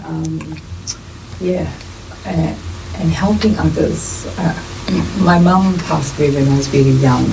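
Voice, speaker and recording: A middle-aged South African woman, a nurse and midwife, giving earnest, measured interview answers. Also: low voice. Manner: measured, earnest, lists things in steady runs. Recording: distant mic with clear background noise.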